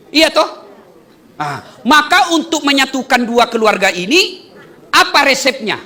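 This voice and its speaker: Lively, animated male preacher. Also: very high voice. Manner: animated, joking, asks and answers own questions. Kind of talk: lively wedding sermon.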